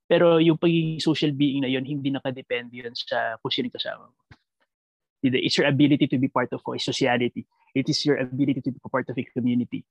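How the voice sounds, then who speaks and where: Filipino male, Taglish, gravelly fry, halting reflective conversational delivery, slightly dull recording. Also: medium pitch, no room sound. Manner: halting, repeats words while thinking aloud. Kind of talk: reflective conversational interview answer in Taglish, mixing Tagalog and English.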